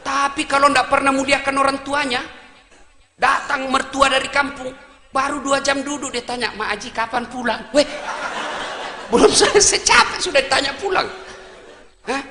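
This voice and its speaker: A man preaching a humorous sermon to a congregation, emphatic and teasing, moving between quiet asides and shouts. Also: extremely high pitch, steady tone, moderate pace, long pauses. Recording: echoey hall, faint noise.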